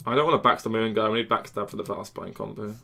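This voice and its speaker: A man streaming a card game, talking casually to chat, often restarting and trailing off into quiet mutters. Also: fairly low pitch, fairly even intonation, very fast, vocal fry.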